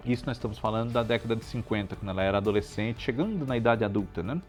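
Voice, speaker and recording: A man's voice: fairly low pitch, racing, faint music behind. A man with a Brazilian Portuguese accent hosting a tribute show, talking conversationally to viewers and often adding chatty tag questions. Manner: chatty, frequent tag questions seeking agreement. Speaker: show host.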